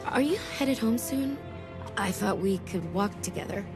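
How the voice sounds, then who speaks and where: A woman's voice: mid-range voice, lively intonation, measured pace, over music. An actress playing a shy, nervous young woman scientist who speaks hesitantly, rehearsing her words.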